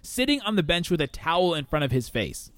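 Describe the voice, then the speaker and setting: A man's voice: a little high, very animated, a little fast, a bit bright, no room sound. A man hosting a sports podcast with casual, conversational banter. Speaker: podcast host.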